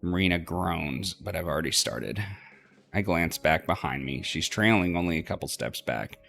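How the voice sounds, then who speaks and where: A man narrating a story game aloud as a let's play host, expressive in his reading. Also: low-pitched, normal speed, creaky, faint music behind.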